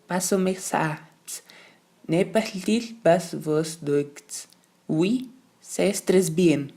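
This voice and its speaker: A student reader voicing a prim, stern French governess who speaks slowly and emphatically with a put-on French accent, for an amateur audiobook. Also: medium pitch, darkish tone. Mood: stern, triumphant. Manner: slow, emphatic, syllable by syllable.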